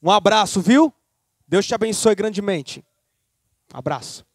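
High-voiced man preaching a sermon. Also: normal speed, no echo, studio quality. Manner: lively preaching, speaks straight to the congregation.

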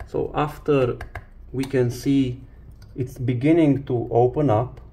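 A man presenting a hands-on repair tutorial, explaining step by step in short, halting phrases. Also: medium pitch, steady tone, warm tone, a little hiss or hum. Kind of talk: hands-on instructional demonstration.

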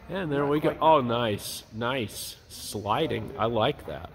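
A man flying indoor model planes in a large gym, giving low-key, chatty running remarks into a handheld camera. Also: slow pace, crowd noise. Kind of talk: casual commentary while flying.

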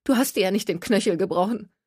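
A woman voicing a whiny, dramatic young woman who complains loudly. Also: quick pace, breathy edge, no echo, studio quality, close to an everyday voice. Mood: snappish. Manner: complaining, high and loud.

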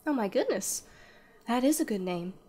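An actress playing a kindly, reassuring pony nurse in a fan radio drama. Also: female voice, a little high, lively intonation, moderate pace. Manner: gentle, reassuring.

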